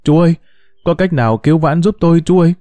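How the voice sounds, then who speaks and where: A man's voice: mid-range voice, big pitch swings, unhurried, dark tone, no echo, soft background music. A man voicing a tearful middle-aged village woman who pleads in a choked voice, in a storybook reading.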